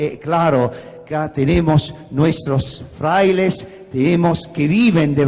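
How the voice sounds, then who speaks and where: The speech comes at a very slow pace, with audible room echo and noticeable background noise. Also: man. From Italy. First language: Italian (speaking Spanish). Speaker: archbishop, papal diplomat. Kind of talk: sermon. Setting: church. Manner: halting.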